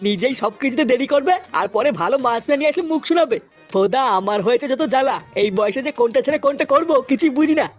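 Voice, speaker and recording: A high-pitched, grumpy old village grandfather from a comedy cartoon, acted by a woman. He nags and grumbles in a quick, harried stream, salty in his language. Faint music sits behind the voice. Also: lively intonation. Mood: impatient grumbling. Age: older. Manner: grumbling, nagging.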